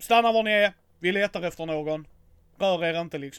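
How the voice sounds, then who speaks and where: In a put-on character voice, the speaker sounds robotic at a middle pitch. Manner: commanding, curt.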